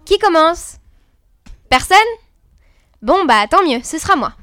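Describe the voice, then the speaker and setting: A young woman co-hosting a scripted debate show, expressive and playfully indignant. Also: extremely high pitch, unhurried, dry recording, studio quality. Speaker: co-host.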